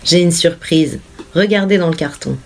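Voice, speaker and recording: A woman reading the part of a composed, unsettling little girl in a soft, quiet, low voice. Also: moderate pace, lightly acted. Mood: calm. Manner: calm, polite and unsettling. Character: eerie, composed little girl who moves in uninvited. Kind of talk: audiobook character reading.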